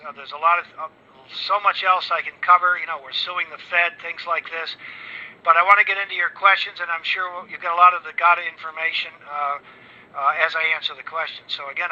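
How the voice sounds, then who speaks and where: An older man giving an informal speech as a guest speaker, rambling and emphatic, with an excitable manner. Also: on the high side. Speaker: guest speaker at an investor gathering. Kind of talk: informal speech on precious metals markets. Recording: dull, band-limited audio.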